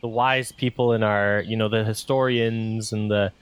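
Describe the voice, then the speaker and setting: A man's voice: fairly low pitch, steady tone, normal speed, clear, resonant tone, natural voice. A man voicing a bewildered old male village elder in a tabletop game, speaking hesitantly and stammering. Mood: matter-of-fact.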